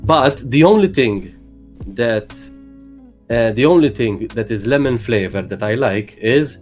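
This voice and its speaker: A man's voice: expressive, measured pace, a little mellow, faint music behind. A young man from Malta with a Maltese accent, a guest in a casual interview, talking hesitantly with many fillers. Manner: hesitant, many fillers, calls his own voice bassy. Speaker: guest streamer.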